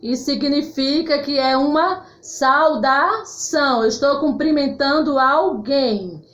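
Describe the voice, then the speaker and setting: A woman's voice: high-pitched, fairly bright tone. A woman teacher giving a grammar lesson to children in Brazilian Portuguese, spelling out words carefully and checking in with "tá certo?", calling her pupils "my loves.". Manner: slow, clearly spelled-out words with frequent "tá certo?" check-ins; affectionate, calls pupils "meus amores". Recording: echoey room, slightly dull sound.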